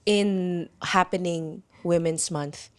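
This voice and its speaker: A woman's voice: fairly low pitch, slow, clean tone. A woman with a Filipino accent co-hosting in casual banter that slips between two languages. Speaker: podcast co-host and improv performer. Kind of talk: casual banter mixing Tagalog and English. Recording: noisy room recording with clicks.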